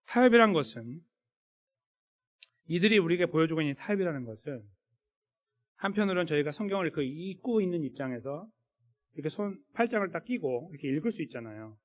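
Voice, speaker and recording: A man's voice: on the high side, very animated, brisk, pauses often. A man preaching a sermon as pastor, in a conversational way that acts out what people might say. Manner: conversational, acts out quoted voices. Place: church sanctuary. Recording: echoey church hall.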